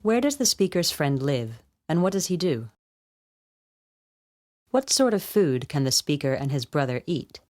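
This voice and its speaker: A woman reading scripted educational narration in a measured, instructional way. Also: low-pitched, sing-song, darkish tone, dry recording, studio quality. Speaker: voiceover artist and presenter.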